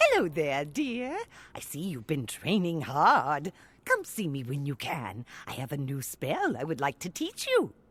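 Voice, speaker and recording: A put-on character voice at middle pitch and a moderate pace. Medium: video game. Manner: kind, gentle.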